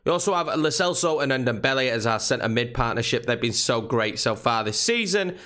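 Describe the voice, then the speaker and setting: A young man with a slightly nasal, croaky voice from a cold, chatting casually as he commentates his own football video game. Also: mid-range voice, normal speed. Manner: chatty, excitable at chances. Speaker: gaming channel host.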